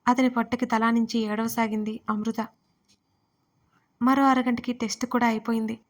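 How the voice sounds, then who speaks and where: A woman narrating a romance audio story in a steady, even storytelling manner. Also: on the high side, moderate pace.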